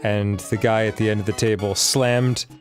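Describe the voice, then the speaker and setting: A man's voice: fairly low pitch, fairly even intonation, moderate pace, soft background music. A man co-hosting a casual let's-play, talking in a laid-back, rambling way and laughing easily. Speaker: co-host.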